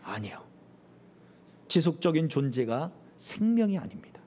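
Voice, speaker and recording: A middle-aged man preaching as pastor, with a fairly high voice that leaps and drops through wide swings. He delivers the sermon animatedly, slipping into the voices of people he quotes. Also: sing-song, measured pace, darkish tone.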